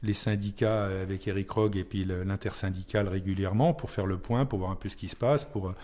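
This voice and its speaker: A man's voice: sits low, fairly even intonation, fast talker, dark tone. A man speaking as a town mayor in an unscripted radio interview, hesitating and repeating words as he searches for phrasing.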